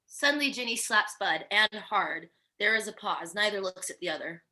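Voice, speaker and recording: A woman's voice: mid-range voice, normal speed, sharp tone. A woman reading stage directions as scripted narration at a virtual table read.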